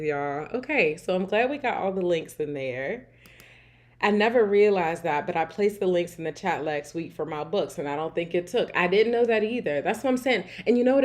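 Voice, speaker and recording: A woman hosting a casual livestream, chatting warmly, laughing often and reading out viewer comments. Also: mid-range voice. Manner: warm, chatty, laughs often, repeats "I love it". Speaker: livestream host.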